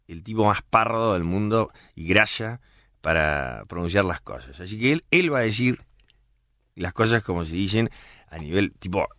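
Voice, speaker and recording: A man's voice: sits low, a bit bright, no room sound, clean studio sound. A man with an Argentine Rioplatense accent performing a comedy sketch, correcting pronunciation in a fussy, exasperated way. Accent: Argentine Rioplatense Spanish.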